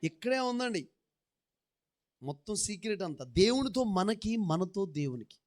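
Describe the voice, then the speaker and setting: A man's voice: high-pitched, big pitch swings, normal speed, darkish tone. A male pastor preaching a sermon, telling folksy stories and leading the congregation in repeating verses in rhythmic, repeated phrases.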